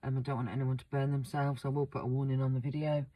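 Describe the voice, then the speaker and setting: A woman with a croaky voice from a sore throat, chatting casually with lots of ums as she demonstrates a crafting project on her channel. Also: very deep voice, fast, slight background noise. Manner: relaxed, chatty, many ums.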